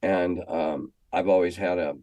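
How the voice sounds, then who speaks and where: An older American man reminiscing in a casual, halting, anecdotal way, often repeating himself as he goes. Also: low voice, steady tone, dark tone, no echo, highs cut off. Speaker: guest, former schoolteacher. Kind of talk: casual storytelling interview.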